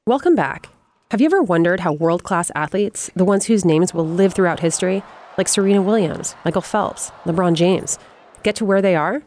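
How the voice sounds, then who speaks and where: Female host, low pitch, smooth scripted intro read, faint background hiss. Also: expressive, moderate pace, a little mellow. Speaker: podcast host.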